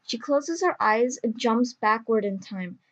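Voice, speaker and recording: A woman narrates an audio drama from a script. Her voice is fairly high as she describes the scene. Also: animated, unhurried, a bit bright, dull audio.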